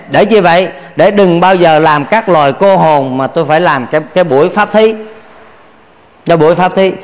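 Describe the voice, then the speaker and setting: A man's voice: fairly high pitch, long reverb tail. A man, a Buddhist monk giving a playful dharma talk, questioning his audience and laughing often. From Vietnam.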